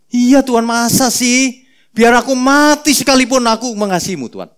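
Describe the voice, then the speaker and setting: A man's voice: very high voice, normal speed, a bit bright, clean tone, pitched above the performer's own voice. A man voicing the apostle Peter as an emotional, tearful grown man, pleading and overwrought. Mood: protesting.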